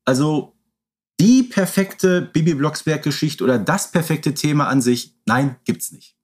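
A man co-hosting a podcast, chatting and explaining things in a measured, playful way. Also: on the high side, expressive, husky. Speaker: podcast co-host. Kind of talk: chatty fan podcast talk.

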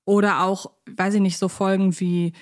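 Woman, medium pitch, podcast co-host, casual fan talk, chatty, rambling, self-correcting. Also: little pitch movement, normal speed. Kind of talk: casual fan discussion of audio drama series.

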